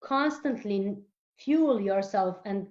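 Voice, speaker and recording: A woman whose first language is Romanian, a guest author speaking earnestly in an interview, often pausing and repeating words. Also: medium pitch, a little mellow, lo-fi sound. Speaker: guest author and holistic therapist. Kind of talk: casual interview talk.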